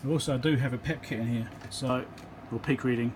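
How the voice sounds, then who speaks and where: An electronics repair presenter talking casually as he works at his home workbench, thinking aloud with frequent ums and pauses. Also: mid-range voice, steady tone, heavy background noise. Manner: thinks aloud with many ums, counts into the mic.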